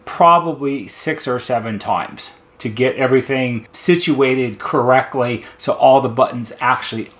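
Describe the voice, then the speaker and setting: At an indoor repair bench, a middle-aged American man demonstrates a repair off the cuff, talking unhurriedly with hardly any pauses. His mid-range voice has a fairly bright tone, and he lays out each step plainly and methodically.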